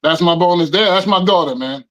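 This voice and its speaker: A man's voice: a little high, brisk, a bit bright. A man in his fifties chatting on a podcast, effusive and repeating phrases for emphasis. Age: 50s. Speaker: podcast guest DJ. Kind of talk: casual podcast chat.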